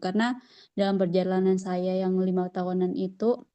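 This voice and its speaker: A woman's voice, medium in pitch, moves along at a moderate pace. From East Java, Sumenep (Madura). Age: 30s. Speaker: webinar participant asking a question. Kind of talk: question in online session. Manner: halting, many fillers.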